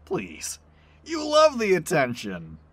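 A man's voice: fairly high pitch, huge pitch swings, slow, husky, no echo, heavily acted. A man playing a teasing, wisecracking train crewman in an audio drama, sarcastic and exaggerated.

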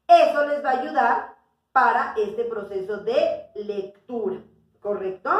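A woman teaching a kindergarten class, drilling syllables slowly and clearly with a coaxing teacher's tone. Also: fairly high pitch. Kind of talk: recorded class for young children. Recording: echoey room, voice a little far from the mic.

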